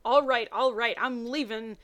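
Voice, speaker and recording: A woman's voice: on the high side, steady tone, moderate pace, a bit bright, lo-fi sound, close to an everyday voice. A woman voicing an eager, joking teenage boy in a storybook reading, exclaiming and slangy. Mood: grumbling.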